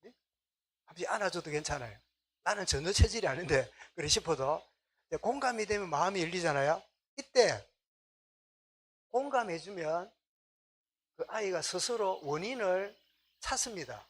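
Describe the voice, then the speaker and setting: Husky-voiced pastor preaching. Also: male voice, high-pitched, expressive, moderate pace, long pauses, fairly bright tone. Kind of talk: sermon.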